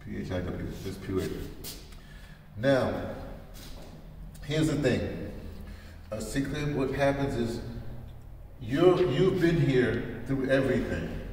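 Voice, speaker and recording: A middle-aged man talks to a workshop in a very echoey, bare classroom, picked up from a distance. His pitch is average and his explanations are folksy and rambling, with faint noise in the recording. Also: lively intonation, slow pace, long pauses, a little mellow. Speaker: workshop leader, producer. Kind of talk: informal teaching talk. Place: large bare classroom, indoors. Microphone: camera a few metres away.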